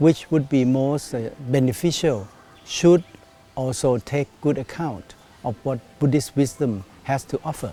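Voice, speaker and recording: A man talks fairly slowly. Background music plays beneath his words. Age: 60s. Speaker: school director. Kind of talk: interview. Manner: halting, many fillers.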